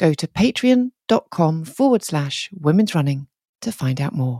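A woman with a British accent, a very deep, low pitch and a dark, mellow tone, with very wide pitch swings, in a very clean recording with a silent background and a dry, close sound with no echo. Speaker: podcast host. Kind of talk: casual chat interview.

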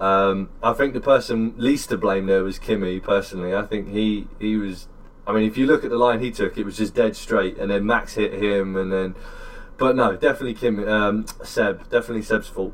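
A man with a British accent speaks at a moderate pace in a fairly low pitch, his intonation fairly even. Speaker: podcast host. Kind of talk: casual chat.

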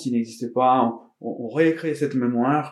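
Fairly slow and with fairly even intonation, the speech comes in an Italian accent. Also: man. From Italy, Venetian mainland near Venice. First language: Italian (speaking French). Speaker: archivist and historian. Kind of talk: interview. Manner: hesitant, many fillers.

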